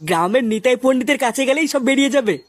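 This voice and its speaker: A man playing a skeptical, grumbling village family man in a comedy cartoon, with an exasperated manner. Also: very high-pitched. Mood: skeptical, brisk. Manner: brisk, exasperated.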